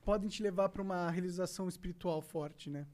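A woman with a Brazilian accent hosting a casual podcast chat, slangy and quick to react with swear words. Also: on the low side, fairly even intonation, darkish tone. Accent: Brazilian Portuguese.

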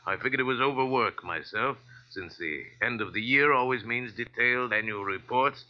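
An actor playing a huge, worried, demanding business executive, blustering in 1940s radio drama style. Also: male voice, mid-range voice, normal speed, close to an everyday voice. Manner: imperious, blustering. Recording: old muffled radio recording.

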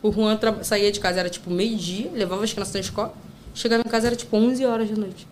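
Fast-talking chatty woman guest. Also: mid-range voice, steady tone, slight background noise. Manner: chatty storytelling full of fillers; breaks into laughter and acts out quotes. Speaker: podcast guest, content creator. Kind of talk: casual chat.

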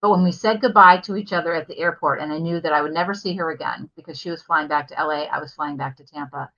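Middle-aged woman guest, candid and earnest, bright lowish voice, muffled remote recording. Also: fast. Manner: open and earnest, with fillers. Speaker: podcast guest, life coach. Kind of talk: candid interview storytelling. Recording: dull lo-fi remote audio.

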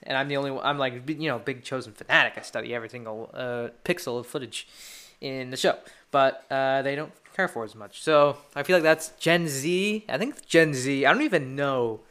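Talking fairly quickly on his own casual podcast, this teenage boy rambles eagerly like the devoted fan he is. His mid-range voice is bright, forceful and clean.

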